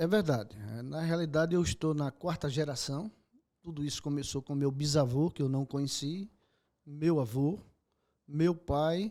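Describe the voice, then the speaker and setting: Pausing long and often, a man with a fairly high pitch and a dark, mellow tone speaks at a moderate pace with ordinary pitch variation, in a very clean recording with a silent background. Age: 60s. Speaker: funeral home owner. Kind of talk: interview. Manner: halting.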